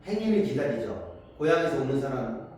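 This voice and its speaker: A man's voice: mid-range voice, very animated, a little fast, darkish tone. A man teaching a class on Korean poetry, asking his students questions and answering them himself. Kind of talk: classroom lecture explaining poems. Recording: echoey room from far off, faint noise.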